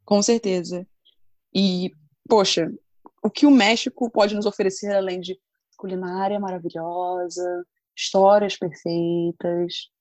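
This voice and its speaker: Woman co-host, easygoing chat, mid-pitched, dry close mic. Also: steady tone, unhurried, a little mellow, no room sound. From Brazil. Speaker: podcast co-host. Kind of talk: casual chat.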